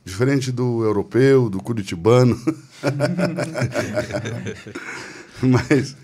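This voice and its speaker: On his church podcast, a male host thinks aloud, sharing reflective thoughts in casual conversation. He speaks very slowly, with a medium-pitched, dark-toned voice.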